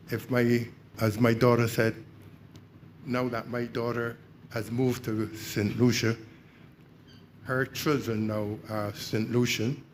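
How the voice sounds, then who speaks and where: A man's voice: lowish voice, slight background noise. An older man from Barbados, raising points hesitantly at a community meeting. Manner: hesitant, many fillers. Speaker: audience member. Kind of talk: public consultation comments.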